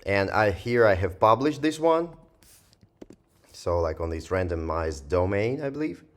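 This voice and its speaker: A man giving a casual, rambling software review in an informal way, thinking aloud with lots of filler phrases. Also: fairly low pitch, very animated, a little slow. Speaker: tech reviewer.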